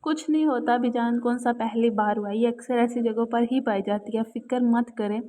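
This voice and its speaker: A woman doing a weary deadpan mother. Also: on the high side, normal speed, a little hiss or hum, natural voice. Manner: deadpan, exasperated. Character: weary, dry-witted mother.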